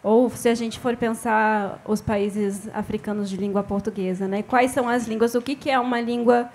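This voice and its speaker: A woman's voice: on the high side, fairly even intonation, moderate pace, darkish tone. A woman speaking on a literary panel, thinking aloud through a string of questions. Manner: questioning, uses tag "né?". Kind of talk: panel discussion.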